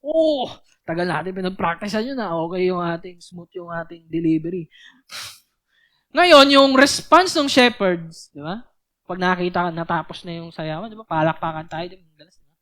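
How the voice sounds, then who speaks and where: A woman's voice: on the low side, fairly quick. A young woman preaching at a church youth service, talking casually and often asking the listeners rhetorical questions. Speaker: youth speaker.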